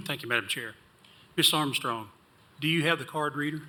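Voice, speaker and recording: A man's voice: fairly high pitch, moderate pace, pushed and bright. Blunt male county commissioner. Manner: blunt, conversational questioning. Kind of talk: questioning at a public hearing. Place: county board meeting room.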